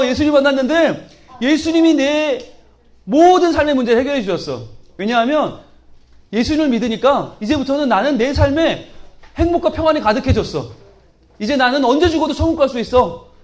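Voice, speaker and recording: A pastor doing Philip, an excited young disciple. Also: male voice, extremely high pitch, fairly quick. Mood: amazed. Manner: excited, breathless storytelling. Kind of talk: storytelling for children.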